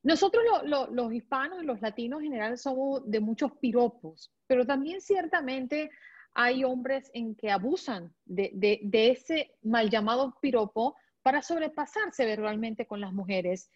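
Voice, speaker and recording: A woman hosting an interview, asking questions in fluent, measured speech. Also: on the high side, expressive, lo-fi sound.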